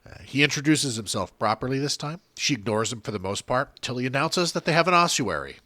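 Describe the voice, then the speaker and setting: Lively, bright-voiced male podcast host. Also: mid-range voice, fairly quick, dry recording. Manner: recaps plot in a running summary with jokey asides. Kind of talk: casual chat recapping a film.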